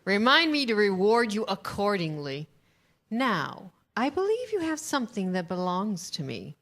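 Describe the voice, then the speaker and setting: A woman plays a haughty female villain boss in a staged comedy. She speaks at a medium pitch with broad, expressive swings, condescending and commanding. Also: moderate pace. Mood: smug, commanding. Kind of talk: staged screenplay reading, comedy.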